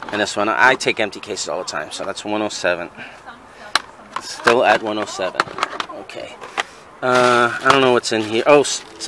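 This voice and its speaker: A man's voice: lowish voice, background noise. A man filming his flea market finds outdoors beside a van, tallying up what he spent with a lot of fillers. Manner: mumbled, hesitant, counting aloud with fillers. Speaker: flea market vendor and vlogger. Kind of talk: casual vlog narration, tallying purchases. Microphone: handheld camera, filming first-person.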